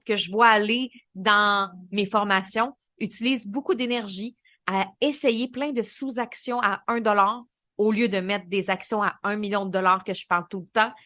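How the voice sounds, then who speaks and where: A woman with a Québécois French accent hosting a solo podcast, coaching in a lively, colloquial way. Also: mid-range voice, no room sound, studio quality. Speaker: podcast host and business coach.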